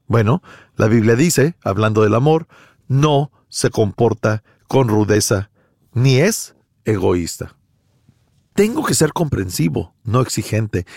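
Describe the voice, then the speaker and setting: A man's voice: lowish voice, very animated, slow pace, gravelly, a little mellow, no room sound, clean studio sound. A man preaching a sermon as pastor, emphatic and full of rhetorical questions.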